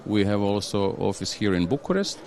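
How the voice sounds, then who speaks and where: A man speaking as an executive guest, his voice sitting very low. He talks haltingly, restarting phrases and checking in with "yeah?". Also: big pitch swings, darkish tone. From Croatia. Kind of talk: conversational interview.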